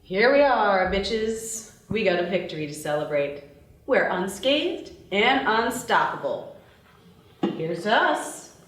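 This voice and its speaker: A woman's voice: medium pitch, very animated, takes it slowly. A woman reading the part of a brash, ruthless young jewel thief in her twenties, sardonic and foul-mouthed, at a screenplay table read. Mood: brash, celebrating. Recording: roomy, distant mic, faint noise.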